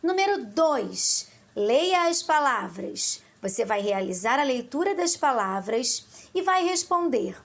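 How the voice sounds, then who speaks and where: A woman's voice: high voice, big pitch swings, slow pace, vocal fry. A Brazilian woman teacher with a Carioca accent, walking young pupils through worksheet exercises in a patient, sing-song way. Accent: Carioca Portuguese. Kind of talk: recorded lesson for young pupils.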